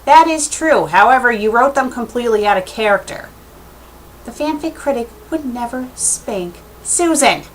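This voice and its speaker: A woman's voice: a little high, lively intonation, moderate pace, a little hiss or hum, low-quality recording. A woman giving a casual video message as an online critic, speaking in an emphatic, indignant way. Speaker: online fan fiction critic.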